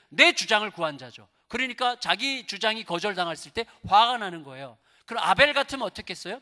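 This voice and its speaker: Middle-aged male pastor, sermon delivery, high and lively, questions the pews often, long church-hall reverb. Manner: animated, asks the congregation many rhetorical questions, swings between soft and loud. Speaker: guest pastor preaching at a revival service. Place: church sanctuary.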